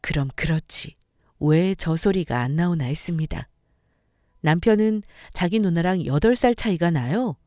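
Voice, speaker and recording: A young woman narrating a personal story in a confiding, expressive way. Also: fairly low pitch, moderate pace, no room sound, clean studio sound.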